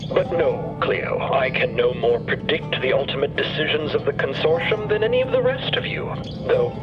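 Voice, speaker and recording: A man playing a thoughtful, courteous professor who talks formally and haltingly in an audio drama. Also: a little high, lively intonation, natural voice. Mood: courteous, explanatory. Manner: formal, measured, halting between phrases. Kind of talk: narrative fiction podcast acting. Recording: dull sound under music bed.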